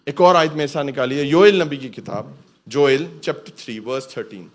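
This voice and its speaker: A man preaching as a pastor in a fervent sermon, often calling out hallelujah and mixing in English words. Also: mid-range voice. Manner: fervent, calls out hallelujah and asks the church to repeat.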